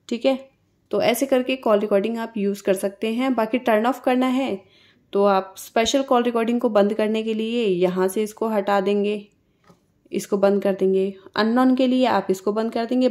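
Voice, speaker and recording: A woman's voice: mid-range voice, darkish tone. Indian woman giving a phone tutorial. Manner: instructional, conversational. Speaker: tutorial host. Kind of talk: casual step-by-step phone tutorial.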